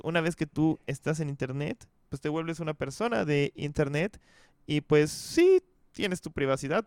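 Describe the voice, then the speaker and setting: A man's voice: mid-range voice, clean tone, no echo. Chatty Mexican man, dry close sound. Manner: relaxed, chatty, frequent tag questions. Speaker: podcast host and Spanish teacher. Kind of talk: casual podcast chat.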